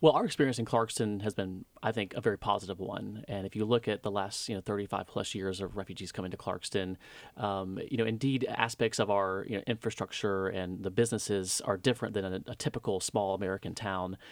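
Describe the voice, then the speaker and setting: A man with a fairly low voice, very fast pace, fairly even intonation and hardly any pauses. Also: dry, close sound with no echo, very clean recording, silent background. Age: 30s. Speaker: city mayor. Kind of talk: radio interview. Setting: studio.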